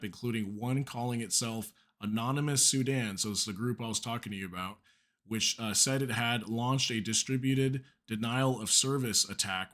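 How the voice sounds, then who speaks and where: A man's voice: medium pitch, fairly bright tone. A man hosting an online news commentary, chatty and full of fillers, who is losing his voice from being under the weather. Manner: chatty, many fillers and asides. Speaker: news channel host. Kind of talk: casual news commentary, reading articles aloud.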